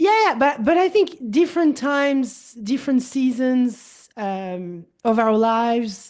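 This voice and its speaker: Against a quiet background, a woman with a French accent talks very slowly in a high pitch, her voice swinging very widely in pitch with hardly any pauses. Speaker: leadership and holistic coach, podcast host. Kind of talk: casual interview conversation.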